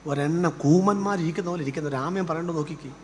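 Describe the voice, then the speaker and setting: A man's voice: on the high side, fast talker, darkish tone, in a large hall, a little hiss or hum. An older man preaching a sermon, firing off rhetorical questions at his congregation with fervent intensity. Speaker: pastor.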